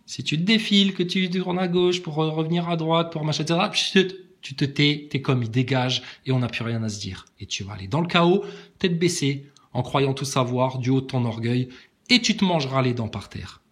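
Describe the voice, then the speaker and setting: A man delivering a combative, mocking monologue aimed at his commenters, with big swings in pitch. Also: fairly quick, fairly bright tone. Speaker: online commentator.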